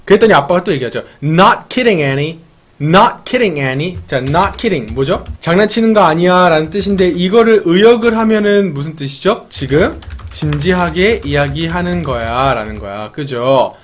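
A man with a high, very animated voice runs a casual English lesson from home. He replays lines, explains them, and keeps asking his viewers what they mean. His pitch swings widely as he talks. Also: normal speed, a little hiss or hum. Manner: lively, repeats lines and asks the audience questions. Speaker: English teacher. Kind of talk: explaining a film clip in a casual live lesson. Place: home streaming setup.

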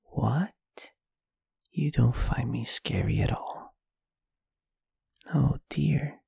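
A performer voicing a shy, gentle, lovestruck ghost in an ASMR roleplay, in a breathy, soft, hesitant and tender whisper. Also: mid-range voice, very slow, no room sound, studio quality. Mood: bashful, tender. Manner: bashful, tender, hesitant, intimate. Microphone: close microphone, dry.

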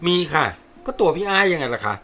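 A man's voice: a little high, big pitch swings, quick pace, bright, forceful tone. A man reading a storybook, voicing a spirited young woman who nags and pouts. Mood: sulky nagging. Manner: pouty, nagging.

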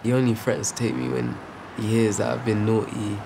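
A man's voice: lowish voice, sing-song, brisk, vocal fry, mellow, a little hiss or hum. A teenage boy talking about his parents in a light, self-amused way. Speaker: student sailor.

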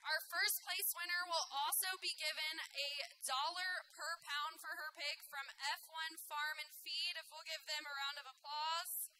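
A female event announcer addresses an audience. Her voice is high and strikingly bright, with a forceful, piercing edge. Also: fairly even intonation, a little slow, few pauses, poor audio. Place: indoor livestock show arena. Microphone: event microphone.

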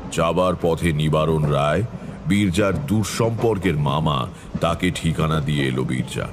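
An actor playing a grave tantric storyteller, narrating a horror tale in a measured, ominous way. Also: male voice, rumbling low, background noise, heavily acted. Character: grave, foreboding tantric storyteller recalling eerie past. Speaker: first-person narrator. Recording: music behind the voice.

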